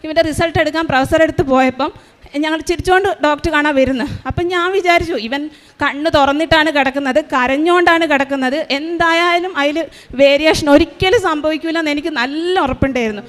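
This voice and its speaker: A woman with a high voice gives an earnest church testimony as a mother. She retells her story tearfully, slowing down and pausing often. Her voice rings out in the long reverb of a large shrine hall. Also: fairly bright tone.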